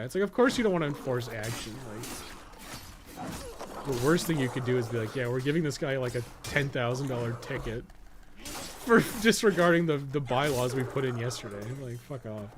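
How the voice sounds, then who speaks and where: Playing on stream, this thirties-aged host with a Canadian accent and a mid-pitched voice chats in a loose, rambling way. His talk is colloquial and full of profanity, and the recording has noticeable background noise.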